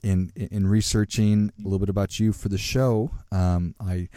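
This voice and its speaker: A man hosts an interview podcast in a low, warm voice. He sounds upbeat and chatty, often repeating words as he speaks. The recording is dry and close. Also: steady tone, moderate pace, no room sound. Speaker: podcast host. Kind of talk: casual interview talk.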